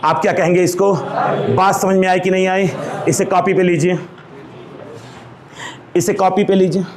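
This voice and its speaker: Male classroom teacher, high and animated, drills each term by repeating it, faint room noise behind. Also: measured pace. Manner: drills terms by repeating them, calls students "babu". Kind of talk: classroom grammar lesson. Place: classroom with a board.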